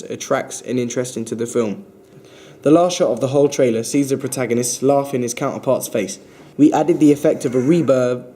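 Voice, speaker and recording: A young adult man reading a scripted analytical commentary in a formal, measured way. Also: mid-range voice, dark tone. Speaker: student filmmaker explaining their trailer.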